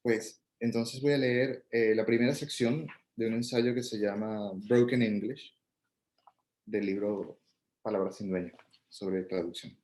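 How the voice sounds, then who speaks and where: A poet from Venezuela, a man, reading his poetry and an essay aloud in a slow, measured way over a video call. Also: fairly low pitch, fairly even intonation, darkish tone.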